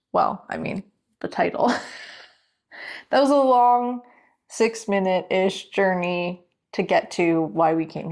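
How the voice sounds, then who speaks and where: A woman's voice: medium pitch, darkish tone. A woman in her thirties, telling a long story to camera in a rambling, chatty way, often yawning. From Canada. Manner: rambling and chatty, full of "like" and self-corrections. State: yawning, has an ear infection. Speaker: vlogger. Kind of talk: casual storytelling vlog.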